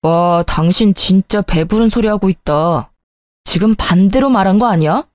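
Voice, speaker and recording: A woman voicing an irritable, evasive young husband in a lowered, grumbling voice for a narrated story. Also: moderate pace, darkish tone, no room sound, lightly acted. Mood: irritated.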